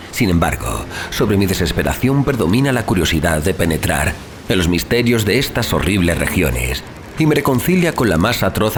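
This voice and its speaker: A man playing an anguished young adventurer, narrating a horror sea tale in a theatrical, literary, intense style. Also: low voice. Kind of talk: dramatic horror audiobook narration. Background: music.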